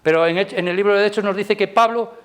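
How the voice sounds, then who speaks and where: A man with a Spanish accent delivers a Sunday sermon in a church, his voice sitting somewhat high. He talks with the congregation as much as at them, tossing in rhetorical questions. On key points he climbs higher and louder, then falls back to a soft, low aside. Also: fast. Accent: Spanish from Spain. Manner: rises loud and high on emphasis, drops soft. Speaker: preacher. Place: church service.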